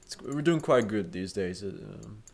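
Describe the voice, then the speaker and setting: A man's voice: lowish voice, lively intonation, moderate pace, darkish tone. Rambling young man hosting a casual talk. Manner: rambling, many fillers and restarts, casual swearing. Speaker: host. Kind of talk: improvised casual commentary.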